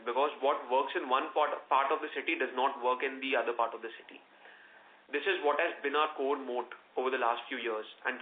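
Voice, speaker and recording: Indian businessman on a roomy, noisy phone line. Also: mid-range voice. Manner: explanatory, corporate phrasing. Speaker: company executive. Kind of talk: answering analysts' questions on an earnings call. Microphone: conference call phone line.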